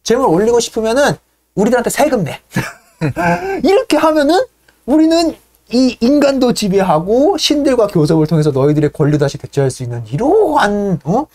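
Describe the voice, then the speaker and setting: A cocky, scheming con man, read aloud by a woman in a play reading, lecturing and goading his listeners. His voice jumps about in pitch, and he keeps jabbing questions to pull them along. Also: sing-song, normal speed, darkish tone. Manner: hectoring, cocky, keeps prodding with "어?". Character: brash, scheming Athenian man talking birds round.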